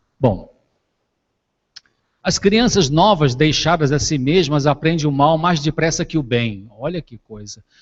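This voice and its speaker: A man with an unremarkable speaking voice talks at a fairly slow pace, his fairly high pitch carried by lively intonation. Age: 60s. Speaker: psychiatrist and lecturer. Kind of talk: lecture. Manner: conversational, informal.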